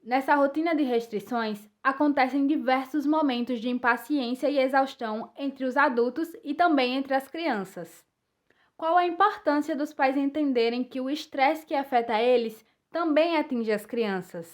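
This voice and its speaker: A Brazilian woman presenting a podcast, reading scripted narration in a measured, formal way. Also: sits high.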